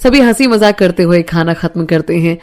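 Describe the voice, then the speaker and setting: A woman narrating a romance audio story in a steady storytelling manner. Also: fairly low pitch, normal speed, soft background music.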